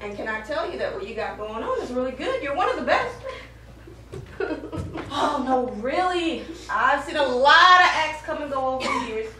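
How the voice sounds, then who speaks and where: A woman's voice: high voice, moderate pace, noisy background. A woman playing a blunt, matter-of-fact stage manager in a live stage play. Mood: blunt, reassuring. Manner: animated, bluntly reassuring, hesitant ums. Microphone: far camera. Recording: very echoey distant stage camera recording.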